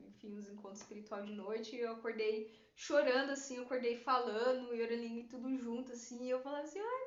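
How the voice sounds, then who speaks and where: A woman's voice: a little high, fairly bright tone. A woman, a writer earnestly telling her personal dream testimony, full of fillers. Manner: earnest, heartfelt, many fillers like "né". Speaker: writer sharing prophetic dreams. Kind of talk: personal testimony, casual storytelling. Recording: roomy, slightly dull lo-fi sound.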